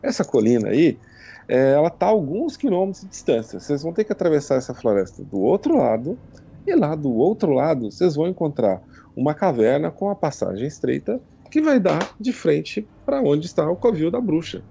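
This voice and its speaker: A man's voice: fairly high pitch, sing-song, fairly quick, creaky, dark tone, husky, heavily acted. A man voicing a kindly, teasing female goddess in a tabletop game, playful and affectionate. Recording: dull lo-fi stream audio.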